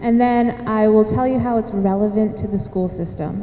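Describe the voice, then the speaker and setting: There is noticeable background noise in this clip. A woman speaks at medium pitch and a moderate pace, with ordinary pitch variation. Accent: American. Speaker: food sovereignty consultant and lecturer. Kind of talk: conference presentation. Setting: stage with audience.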